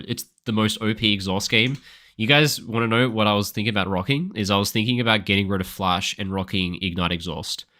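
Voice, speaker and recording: A man's voice: lowish voice, bright, forceful tone. A young man with an Australian accent chatting casually with his stream chat while explaining his game picks as a coach. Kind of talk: live game-stream commentary.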